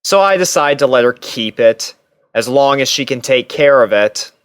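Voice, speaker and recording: A man narrates a first-person story from a script. His voice is lowish to medium in pitch, recorded dry and close with no room sound. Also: lively intonation, normal speed, clear, resonant tone, no echo. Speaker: narrator and reader.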